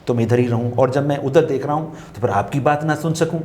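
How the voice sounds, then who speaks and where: A man as a talk-show guest, speaking in an unhurried, musing way, repeating phrases for emphasis and quoting couplets. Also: mid-range voice, darkish tone, slight background noise. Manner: quotes couplets while explaining. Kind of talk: reflective talk-show conversation.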